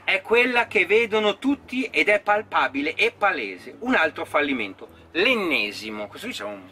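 Sarcastic guy mocking his haters, not a native speaker, bright voice, lively delivery. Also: normal speed. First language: not Italian. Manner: mocking, sarcastic, reads comments aloud in exaggerated high voice. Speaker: vlogger reading hater comments. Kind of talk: sarcastic comment-reading vlog.

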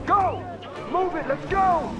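An actor voicing a frenzied rebel militia fighter in a video game, shouting urgent, fervent battle cries. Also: male voice, very high voice, takes it slowly. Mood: frenzied zeal. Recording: distant shouts under loud music, gunfire.

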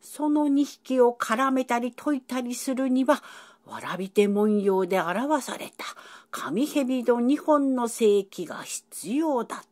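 A woman's voice: fairly high pitch, animated, measured pace, darkish tone. Woman playing an old lecturing professor. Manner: old-man speech, lecturing at length. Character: elderly male professor, lecturing and self-assured. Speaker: professor explaining ancient symbols. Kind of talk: educational dialogue.

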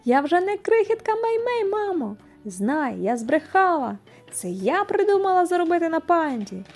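Woman doing a stubborn teen girl from a storybook, real high, mellow, defiant and pleading. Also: lively intonation, moderate pace, faint music behind. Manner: pleading, then defiant and shouting. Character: thirteen-year-old girl, stubborn and emotional.

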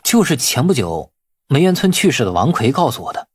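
A man's voice: medium pitch, big pitch swings, brisk, husky, dry recording, studio quality. A man voicing a cocky yet easily flustered businessman in audiobook dialogue, eager and informal. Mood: hushed, smug.

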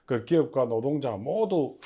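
A man giving formal, prepared interview answers as an agency official, in measured and stiffly official phrasing. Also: medium pitch, animated, warm tone, husky. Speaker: head of a public industry agency, interview guest.

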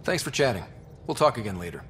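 A man playing a young space explorer commander in a video game, steady, casual and direct. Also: medium pitch, fast talker, faint music behind, natural voice. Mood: friendly. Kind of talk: video game cinematic acting.

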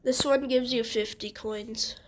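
Woman with a stuffy nose, slightly high. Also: fairly even intonation, unhurried, background noise. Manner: rambling, hesitant with many ums and restarts. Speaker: gaming channel host. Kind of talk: casual gameplay commentary.

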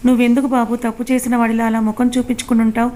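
A woman voicing a gentle, guilt-ridden older mother-in-law in a read-aloud story, soothing and coaxing. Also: fairly high pitch, little pitch movement, racing, lightly acted.

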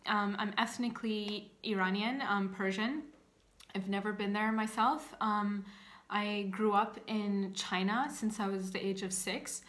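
A woman's voice: mid-range voice, fairly even intonation, a little slow, fairly bright tone. A woman in her thirties, from Canada, chatting casually to camera about her life, with many fillers and restarts. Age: 30s. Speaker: channel host. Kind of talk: casual personal storytelling to camera. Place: small indoor room, seated.

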